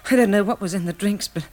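A woman's voice: mid-range voice, a little fast, darkish tone, soft background music, lightly acted. An actress playing a shaken, polite, well-bred young woman with an English accent in a 1960s radio drama, speaking hesitantly. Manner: hesitant, breathless restarts, polite. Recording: old radio recording, faint noise.

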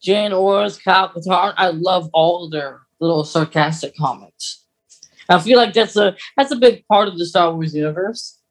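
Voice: mid-range voice, moderate pace. A podcast co-host in a casual, conversational fan discussion.

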